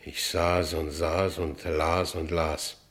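A working-class Berlin ex-convict in a radio play. The voice is deep and low, the accent Berlin. He talks colloquially, brooding with bitterness and self-pity. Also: level tone, takes it slowly, a bit bright, exaggerated voice. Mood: wry, brooding. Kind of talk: first-person radio play narration.

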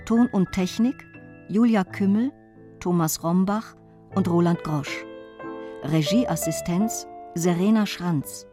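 Female radio announcer for drama credits, lowish voice, deliberate pace, music behind. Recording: studio announcement over music. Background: instrumental music.

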